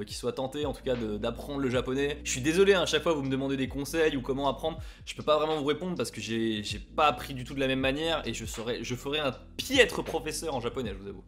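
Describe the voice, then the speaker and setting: A young man chatting casually on his vlog, reading out viewer messages and reacting with animated, sometimes loud mock outrage. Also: medium pitch. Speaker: YouTuber.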